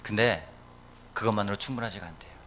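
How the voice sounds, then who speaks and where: A man's voice: on the low side, quick pace, fairly bright tone, a little hiss or hum. A male pastor preaching a sermon, often asking the congregation questions and answering them himself. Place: church sanctuary.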